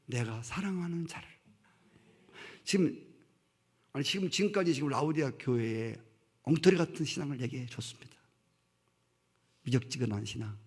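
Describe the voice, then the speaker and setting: A man preaches from the pulpit with a fairly high, husky voice. He is emphatic, turns to his listeners with direct questions, and slips into stern quoted voices as he makes his point. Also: darkish tone. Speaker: pastor. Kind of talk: sermon.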